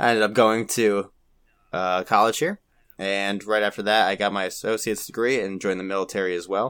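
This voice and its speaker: Talking at a very fast pace, a man with an American accent has a fairly low pitch and fairly even intonation. The recording is very clean with a silent background. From northern New Jersey. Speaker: podcast co-host. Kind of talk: casual chat.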